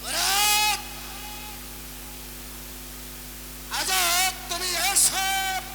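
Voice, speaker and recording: A stage actor playing a haughty, hostile official in a folk drama, declaiming in a hammy, drawn-out theatrical way. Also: very high-pitched, fairly even intonation, creaky, heavy background noise, exaggerated voice. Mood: accusing. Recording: echoey stage recording under loud music.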